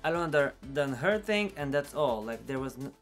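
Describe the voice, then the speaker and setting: A man's voice: medium pitch, animated, normal speed, a bit bright, faint music behind. A young man, a drag queen host, giving casual reaction commentary. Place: small indoor studio set.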